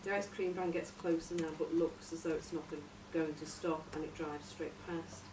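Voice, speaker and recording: A woman informally pitching a story outline in a tentative, halting way, searching for her words. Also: fairly even intonation. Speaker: workshop participant presenting a radio drama outline. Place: echoey room, recorded from a distance. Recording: roomy, distant mic, noisy background.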